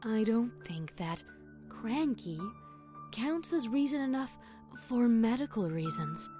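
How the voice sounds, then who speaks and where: A woman playing a calm pony princess, measured, patient and gently wry, in an audio fan story. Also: on the high side, music in the background. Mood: calm, skeptical.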